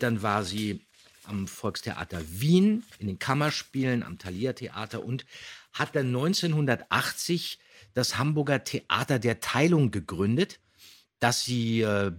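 A man hosts a casual podcast in a mid-pitched, slightly husky voice. He tells anecdotes and shares background facts in a chatty, animated storyteller's manner. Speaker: podcast host.

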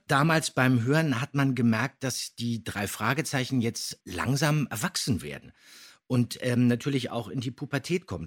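A man with a slightly husky voice, talking casually as a podcast co-host reviewing stories. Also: medium pitch. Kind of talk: casual podcast review of an audio drama episode.

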